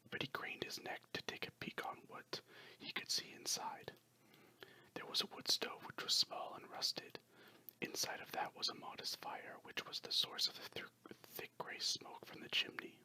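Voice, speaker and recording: Someone narrating a story in a breathy, unvoiced ASMR whisper, hushed and scripted. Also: rough recording.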